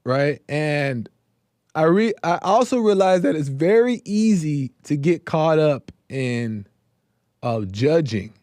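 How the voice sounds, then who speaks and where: A man hosting a live faith talk show, speaking in a slow, reflective way with many pauses and repeated phrases while his voice is going hoarse. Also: on the high side, animated, darkish tone, no echo, clean studio sound. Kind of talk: casual devotional talk.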